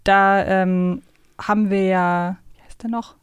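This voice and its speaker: A woman's voice: mid-range voice, fairly even intonation, slow pace, clean tone, dry recording. Woman chatting casually, close dry sound. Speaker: podcast co-host. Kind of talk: casual chat about a children's audio series.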